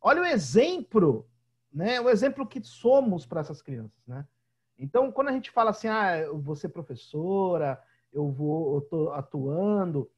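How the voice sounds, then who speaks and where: A man's voice: high-pitched, husky. A man with a Brazilian Portuguese accent teaching an online class, chatty and constantly checking in with his students. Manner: chatty, keeps asking "né?". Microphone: video call. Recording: dull lo-fi video call audio.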